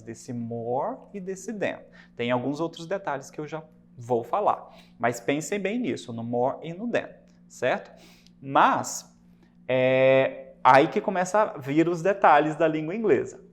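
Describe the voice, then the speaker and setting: A man with a Brazilian Portuguese accent, teaching a recorded English lesson, explaining patiently, asking the class rhetorical questions and slowing down on example sentences. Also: a little high.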